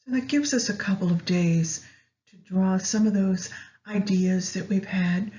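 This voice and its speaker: A woman leading a guided meditation in a measured way, pausing between short phrases. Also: medium pitch, warm tone, lo-fi sound. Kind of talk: guided meditation with astrology commentary.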